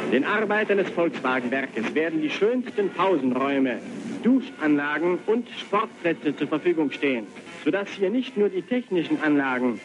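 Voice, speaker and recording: A man's voice: fairly high pitch, background noise. A man narrating an old newsreel in a formal, proclaiming announcer manner, played back as an archive clip. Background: music.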